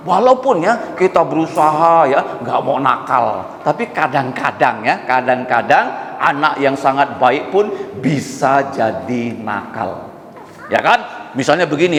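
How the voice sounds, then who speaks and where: Man, Sunday school teacher, lively children's sermon, echoey hall with faint room noise. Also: medium pitch. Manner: animated, asks the children questions. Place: church hall. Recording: echoey church hall with long reverb.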